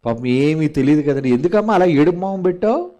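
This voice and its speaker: ఉద్వేగంగా బోధించే పురుష ప్రసంగీకుడు. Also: male voice, on the high side, lively intonation, quick pace, dark tone. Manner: scolding, rhetorical questions, frequent "ఏమండి". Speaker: preacher. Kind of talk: sermon.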